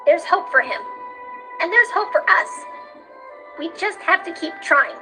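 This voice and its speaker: A woman voicing a kind, hopeful, childlike skeleton brother in a cartoon comic dub, speaking in an earnest, pleading and animated way. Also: very high voice, unhurried, over music.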